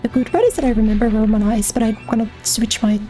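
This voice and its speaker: A woman's voice: on the high side, quick pace, warm tone, soft background music. A young woman streamer chatting casually as she plays, thinking aloud about missions and thanking subscribers. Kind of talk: casual gameplay commentary.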